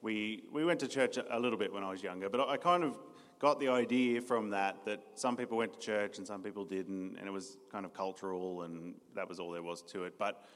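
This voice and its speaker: A man's voice: fairly low pitch, fairly quick. A young Australian man giving his personal testimony in a church interview, earnest, with many ums and restarts. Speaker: new church staff member being interviewed. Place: church hall. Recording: reverberant church hall.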